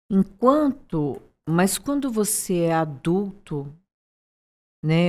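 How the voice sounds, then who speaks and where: A Brazilian woman hosting a podcast, talking thoughtfully and pausing to find words. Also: low voice, warm tone. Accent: Brazilian Portuguese. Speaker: podcast host. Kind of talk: conversational interview.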